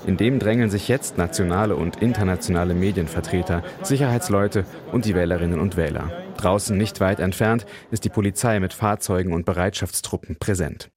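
A man reading a scripted radio news report in an even, formal manner, also voicing translations of interviewees. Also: sits low, a little fast, few pauses, crowd noise. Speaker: radio correspondent.

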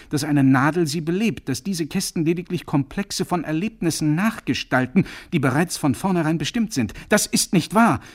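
Man reading as a booming, overbearing male professor for a radio story; insistent lecturing tone, middle pitch. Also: darkish tone, natural voice. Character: booming domineering male professor, shouts down interruptions. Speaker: reader.

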